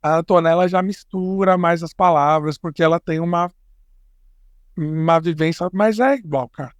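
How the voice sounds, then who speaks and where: A man's voice: on the high side, normal speed, smooth, no echo, dull audio. A man with a Brazilian accent, a guest on a podcast, explaining things in an easygoing way with fillers and restarts. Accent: Brazilian Portuguese. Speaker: interview guest. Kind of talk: casual conversational interview.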